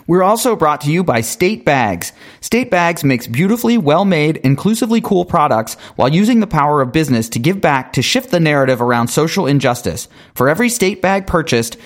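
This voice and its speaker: A man hosting a podcast, reading sponsor ads in a smooth scripted way and introducing his guest. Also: a little high. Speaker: podcast host. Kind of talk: read ads and interview intro.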